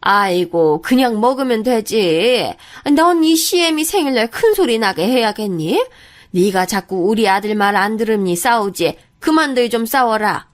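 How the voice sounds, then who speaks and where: A woman voicing a stingy, sly mother-in-law in her sixties or older, talking in a drawn-out, coaxing way. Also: fairly high pitch, big pitch swings. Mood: whining.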